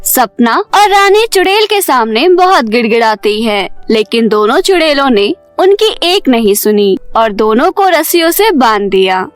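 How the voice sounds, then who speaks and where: A woman narrating a scripted fairy tale in an expressive storybook manner. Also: on the high side, unhurried, few pauses, no room sound, soft background music.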